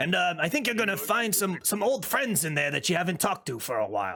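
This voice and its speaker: Using a put-on character voice, a man speaks at a high pitch. His pace is very fast. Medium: actual play. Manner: friendly, casual.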